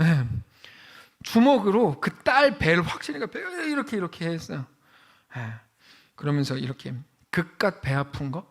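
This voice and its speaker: A male pastor giving a conversational afternoon sermon in a church, acting out quoted voices as he goes. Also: high voice. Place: church sanctuary.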